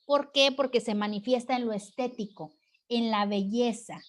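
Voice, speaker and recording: A woman's voice: fairly high pitch, normal speed. A Mexican woman teaching a class, explaining step by step and often checking with her students. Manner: explanatory, frequent check-ins with "¿ok?" and "¿sí?". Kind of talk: recorded online class lecture.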